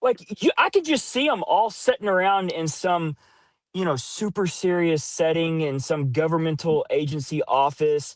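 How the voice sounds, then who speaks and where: A woman's voice: low voice, normal speed, no echo. A woman hosting a casual livestream, talking informally and emphatically, often repeating herself. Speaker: livestream host.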